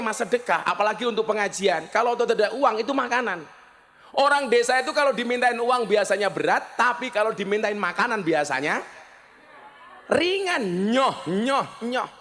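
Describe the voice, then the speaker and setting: A middle-aged man with a Javanese accent, preaching in a lively, joking village sermon style. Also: high voice. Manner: joking, mixes in Javanese phrases.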